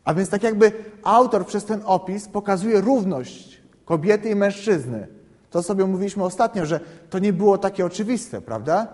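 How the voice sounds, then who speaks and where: A man explaining scripture to a group in a conversational, halting way, often checking in with the listeners and repeating words while he thinks. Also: high voice, animated, a little mellow. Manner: conversational, keeps asking "right?" to check understanding. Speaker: Bible teacher. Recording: long reverb in a hall.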